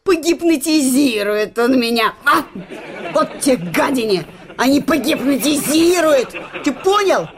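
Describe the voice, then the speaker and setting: An actress playing a jealous, sarcastic working-class wife who nags bluntly in a radio comedy play. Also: female voice, high-pitched, expressive, unhurried, a faint crowd. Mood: bossy, mocking. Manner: nagging, sarcastic, colloquial and blunt.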